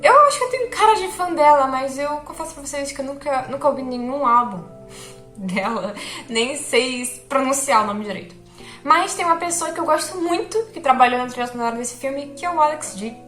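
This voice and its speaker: A woman's voice: high-pitched, brisk, fairly bright tone, roomy sound, faint music behind. A young woman chatting casually about a film she liked, chatty and self-deprecating, often checking in with her viewers. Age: young adult. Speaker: film vlogger.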